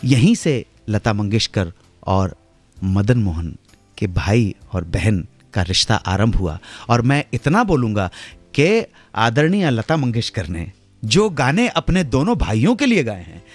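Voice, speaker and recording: A middle-aged man hosting a radio show, telling stories in a dramatic way that swings from hushed asides to loud exclamations. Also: on the low side, big pitch swings, unhurried, no echo. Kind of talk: storytelling radio narration. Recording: radio broadcast with faint music underneath.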